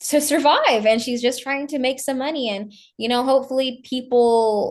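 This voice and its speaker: Speaking at a moderate pace with ordinary pitch variation, a woman uses an ordinary speaking voice with an American accent. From Southern California. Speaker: actress. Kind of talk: interview.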